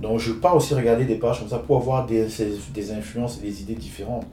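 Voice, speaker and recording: Amid music in the background and audible room echo, a man speaks in a medium pitch with ordinary pitch variation. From Cameroon. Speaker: DJ and event organizer. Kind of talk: interview conversation.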